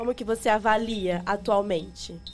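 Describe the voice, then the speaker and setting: Music plays behind the speaker. She is a woman talking fairly slowly. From Nuporanga, interior of São Paulo state. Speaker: podcast co-host.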